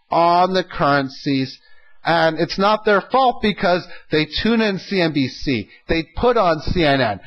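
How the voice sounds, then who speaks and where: A man's voice: high voice, lo-fi sound. A man hosting an informal economic commentary, speaking in an opinionated, emphatic way and often posing rhetorical questions. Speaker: host of an economic audio log.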